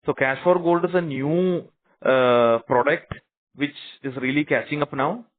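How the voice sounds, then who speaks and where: A man's voice: a little high, unhurried. A man with an Indian accent, a company executive answering investor questions on an earnings conference call. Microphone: conference call phone line. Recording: muffled narrow phone line.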